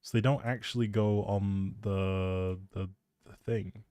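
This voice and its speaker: Male streamer, soft mellow tone, casual teasing ramble, close dry mic. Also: fairly low pitch, steady tone, takes it slowly, smooth, no room sound. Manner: playful, teasing, thinking aloud. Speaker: live streamer.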